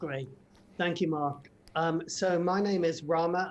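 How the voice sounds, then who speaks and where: The speaker is a man with a British accent. He keeps a moderate pace and fairly even intonation. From England. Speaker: design centre director. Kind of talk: conference conversation.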